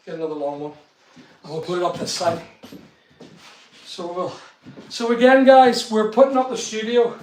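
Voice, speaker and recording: Northern irish guy, middle-aged, rambly chat, highish voice, roomy echo, mic a ways off. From England. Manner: rambling, chatty, directing a helper. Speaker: channel host. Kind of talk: casual chat while working. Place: studio room under construction, indoors. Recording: echoey room, distant mic, faint noise.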